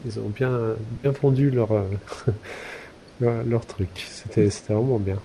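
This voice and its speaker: A man's voice: medium pitch, fairly even intonation, measured pace, vocal fry, warm tone, a little hiss or hum. A man co-hosting a podcast in casual chat, talking hesitantly with many fillers and restarts. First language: French. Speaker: podcast co-host.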